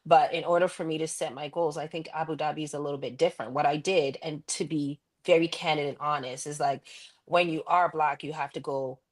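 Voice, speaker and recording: Low-voiced Ghanaian-Canadian woman educator. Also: fairly even intonation, a little fast. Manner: earnest, reflective, with frequent ums. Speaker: guest, school vice principal. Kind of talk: interview answers, candid personal story.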